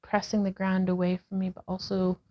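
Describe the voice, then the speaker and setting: A woman in her thirties leading a guided yoga session as a vlogger, cueing each pose calmly and gently. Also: medium pitch, brisk. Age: 30s. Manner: calm, gentle cueing with breath prompts. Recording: slightly dull lo-fi sound.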